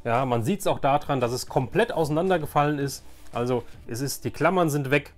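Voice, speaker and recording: A man's voice: mid-range voice, brisk. A man in his forties chatting casually and enthusiastically in a nostalgic vlog, rambling and repeating himself for emphasis. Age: 40s. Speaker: YouTube host. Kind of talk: casual nostalgic vlog chat about collecting.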